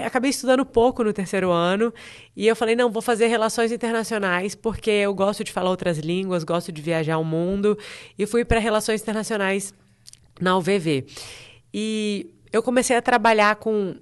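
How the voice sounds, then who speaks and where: A smooth, clear-voiced woman, talking freely as a podcast guest. She speaks at a middle pitch for a woman and tells stories in a chatty, lively way, laughing easily. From Brazil, grew up in Espírito Santo. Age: 30s. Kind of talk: casual interview chat.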